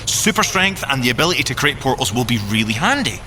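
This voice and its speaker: An actor playing a boyish, excitable, boastful inventor agent in audio drama banter, with a theatrical delivery. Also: male voice, medium pitch, fast talker, slight background noise. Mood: playful, enthusiastic. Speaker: agent and engineer character.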